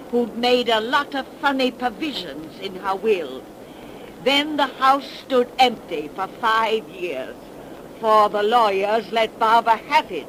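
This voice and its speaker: A woman voicing an old cackling witch who tells tales in a slow folksy dialect drawl, in 1930s radio drama style. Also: on the high side. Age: older. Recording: noisy 1930s radio recording.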